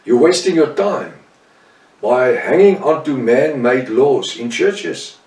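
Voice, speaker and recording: Afrikaans-accented man, slow and roomy. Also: medium pitch, animated, darkish tone. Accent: South African. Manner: repeats and corrects himself, emphatic. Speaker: Bible teacher. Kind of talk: Bible study teaching. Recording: roomy sound from a distant mic.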